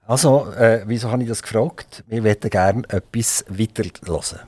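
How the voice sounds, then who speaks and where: A man's voice: on the low side, moderate pace, over loud music. A man with a Swiss German accent hosting an interview in a conversational way, searching for words as he goes. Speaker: radio interviewer.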